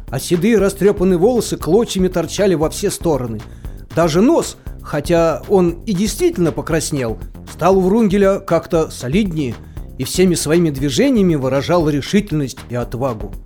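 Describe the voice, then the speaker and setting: A man's voice: a little high, close to an everyday voice. An actor playing a young male student who narrates a humorous sea tale expressively in an audio play. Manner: animated, expressive storytelling.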